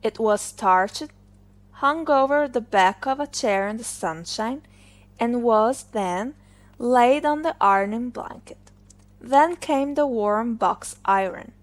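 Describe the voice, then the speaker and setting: A woman reads a scripted fairy tale as a storyteller for language learners. Her voice sits fairly high, and she goes slowly, one phrase at a time. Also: animated.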